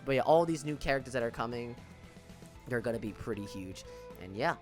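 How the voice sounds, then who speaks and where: A man with an average-pitched voice talks through game details as a video creator. His delivery is casual and conversational, explaining things in an informal way. Music plays behind his voice. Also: lively intonation, fairly quick. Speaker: gaming video creator reviewing game banners. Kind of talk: casual gaming commentary.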